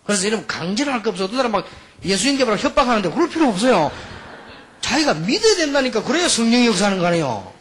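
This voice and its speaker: A middle-aged man preaching a sermon, telling stories and swinging between quiet asides and emphatic outbursts. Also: high voice, sing-song, racing, breathy edge. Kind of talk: sermon with anecdotes.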